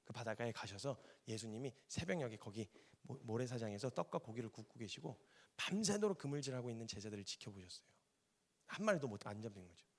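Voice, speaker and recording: A man preaching a sermon as a missionary, telling the story vividly and acting out the dialogue in casual speech. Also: medium pitch. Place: church.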